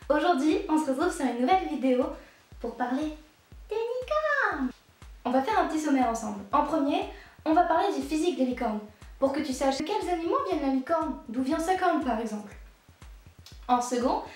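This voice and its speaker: High-pitched girl doing a goofy explainer vid, chatty and playful, super echoey room. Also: a little mellow. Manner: chatty, playful, quick asides to the viewer. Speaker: YouTube educator.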